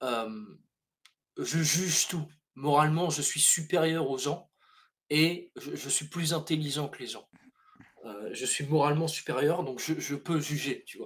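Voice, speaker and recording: Long, frequent pauses break up a man's very slow speech. His fairly high pitch varies in an ordinary way, while his loudness swings widely. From Paris region, France; France. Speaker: YouTuber guest. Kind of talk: casual interview chat. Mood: casual, self-mocking. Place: home room.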